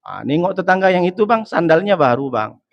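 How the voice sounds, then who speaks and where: A man's voice: high voice, big pitch swings, fairly quick, gravelly, muffled recording, exaggerated voice. A male preacher voicing a chatty, complaining wife who nags her husband in a whiny voice. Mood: nagging. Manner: whiny, nagging, repeated "Bang".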